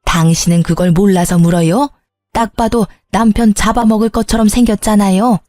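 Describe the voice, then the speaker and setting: A woman's voice: medium pitch, fairly even intonation, normal speed, darkish tone, no echo, soft background music, lightly acted. A woman voicing a spiteful middle-aged mother-in-law who sneers at her daughter-in-law. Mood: sneering. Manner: sneering, contemptuous.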